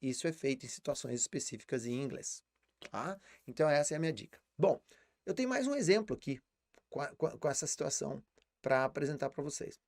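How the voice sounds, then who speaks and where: A man with a Brazilian Portuguese accent leads a live online English lesson. His voice sits a little high, and he explains patiently, often repeating a word while he finds the next one. The recording is dry and close, with no room around it. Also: animated, fast talker, a little mellow, no room sound. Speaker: English teacher.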